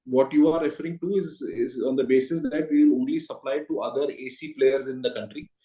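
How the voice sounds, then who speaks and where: Mellow Indian man in a roomy space. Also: mid-range voice. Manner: measured, hesitant, explanatory. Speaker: company executive. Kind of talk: earnings call answers. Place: conference call. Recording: roomy echoing conference call audio.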